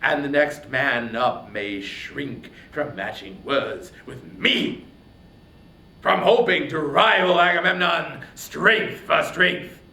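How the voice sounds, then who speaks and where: A man's voice: on the high side, slow pace, sharp tone, heavily acted. A man voicing an arrogant, domineering warrior king with haughty, scornful declamation, as in an epic tale. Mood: contemptuous, booming. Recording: roomy echo, faint background noise.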